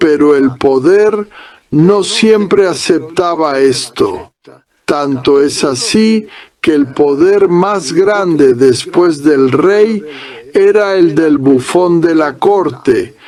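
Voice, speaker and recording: Very even loudness, ordinary pitch variation, and a very slow pace. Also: man, high pitch for a man. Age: 70s. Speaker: essayist and author. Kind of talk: interview answers. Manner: formal.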